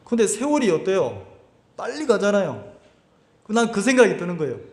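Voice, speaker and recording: A man's voice: sits high, big pitch swings, normal speed. A male pastor preaching a sermon, putting rhetorical questions to the congregation and acting out the voices of churchgoers. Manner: asks the congregation rhetorical questions and answers them; acts out quoted voices of churchgoers. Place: church hall at a summer camp. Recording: echoey hall.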